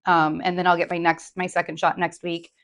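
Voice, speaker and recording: A woman with a hoarse, slightly raspy voice, giving viewers a casual, rambling update full of fillers and restarts. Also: fairly low pitch, level tone, a little fast, fairly bright tone. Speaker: tarot reader and vlogger. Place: home in New York.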